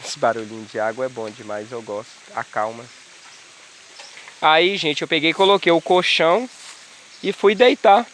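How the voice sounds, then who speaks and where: Guy vlogging outside by a river, crickets and water behind him, kinda high bright voice, keeps saying gente. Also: moderate pace, long pauses, slight background noise. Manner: earnest, repetitive, addresses viewers as "gente". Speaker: vlogger sharing a spiritual experience. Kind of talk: casual spoken testimony. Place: outdoors in a rural area by a river. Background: insects and crickets, running water.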